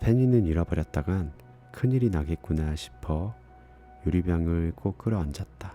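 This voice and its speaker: Against music in the background, a man with a very deep, low pitch talks at a very slow pace in a calm, soothing tone with lively intonation. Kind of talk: fiction reading.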